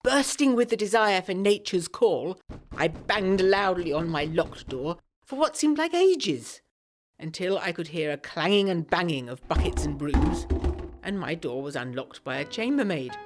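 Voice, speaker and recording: A plucky, well-bred Englishwoman of the 1920s. Her fairly low voice moves with lively inflection as she primly narrates a letter in a gothic audio drama, faint music behind her. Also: normal speed. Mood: prim, relieved.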